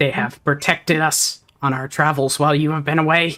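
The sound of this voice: A put-on character voice with a low-to-middle pitch moves along at a fairly quick pace.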